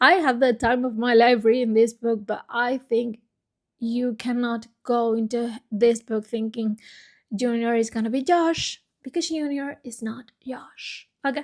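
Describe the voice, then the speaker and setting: Very clean recording, silent background. A woman with a high pitch speaks at a very slow pace. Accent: non-native. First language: not English. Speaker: book vlogger. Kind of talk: casual book review vlog. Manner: animated; casual, with frequent fillers.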